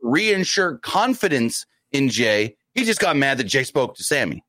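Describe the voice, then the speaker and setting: Animated man with a lively, dry voice. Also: mid-range voice, normal speed, dry recording. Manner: animated, acts out wrestlers' lines in character. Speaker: podcast co-host. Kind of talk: casual wrestling chat.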